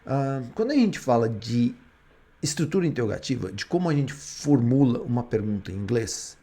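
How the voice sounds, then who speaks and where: A Brazilian man who speaks Portuguese natively teaches English grammar step by step, often restarting his sentences. His voice is medium-pitched and warm, with lively intonation at a normal speed.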